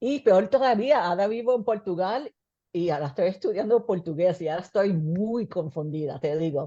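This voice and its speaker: At a moderate pace, a woman with a medium pitch talks in a dark, mellow tone with lively intonation. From Puerto Rico. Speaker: evaluation expert, presenter. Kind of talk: presentation. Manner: halting, searching for words.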